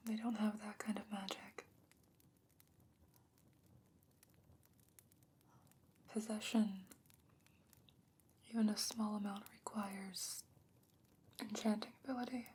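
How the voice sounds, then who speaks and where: A woman playing a thoughtful, learned fantasy sorceress in a soft-spoken, breathy ASMR roleplay, measured and gentle with pondering pauses. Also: mid-range voice, level tone, slight background noise, lightly acted. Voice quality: breathy, whispery, hushed.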